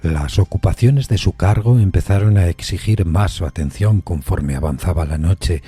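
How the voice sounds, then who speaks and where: A man narrating a literary suspense story in a measured, solemn manner. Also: low voice, dark tone, slightly rough, faint music behind.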